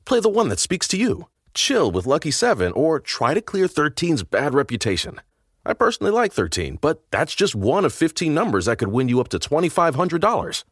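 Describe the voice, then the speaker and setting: A man's voice: fairly high pitch, huge pitch swings, fairly quick, fairly bright tone, slightly rough, no room sound. A man reading an upbeat, playful radio commercial on a close studio mic. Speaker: advertising voice-over.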